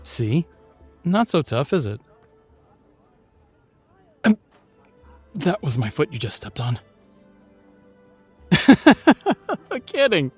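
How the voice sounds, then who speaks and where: Man playing a gallant knight, slow and expressive. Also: fairly high pitch, husky, exaggerated voice. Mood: teasing, tender. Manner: formal courtly phrasing, gently reassuring, hesitant. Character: chivalrous knight protector, male, gallant and shyly tender. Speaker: voice actor in audio roleplay. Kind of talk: intimate fantasy audio roleplay acting.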